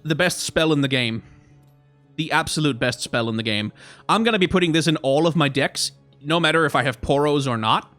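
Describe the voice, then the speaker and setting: Slightly hoarse man streaming casually. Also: fairly high pitch, fairly quick, fairly bright tone, soft background music. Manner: chatty, rambling, reacts to chat. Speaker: streamer reviewing card art. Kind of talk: casual live stream commentary.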